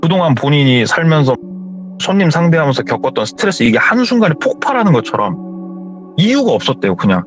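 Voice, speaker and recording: A man's voice: a little high, very animated, fairly quick. A man narrating a horror story in a conversational, dramatic retelling style. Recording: slightly dull sound with faint music.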